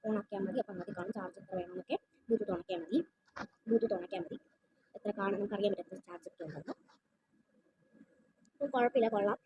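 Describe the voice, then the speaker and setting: A woman chatting casually to her viewers as she unboxes a microphone. She talks warmly and a little apologetically, like someone making her first video. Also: mid-range voice, poor audio. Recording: loud background noise.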